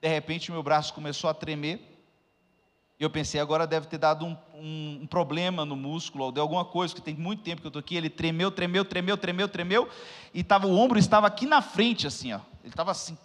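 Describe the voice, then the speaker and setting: A man in his thirties, a pastor telling a personal testimony in a sermon, swinging from hushed reflection to loud outbursts. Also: a little high, fairly even intonation, fast. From Brazil. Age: 30s. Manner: emotional storytelling, swings from hushed to shouting. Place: church hall. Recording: long church hall reverb.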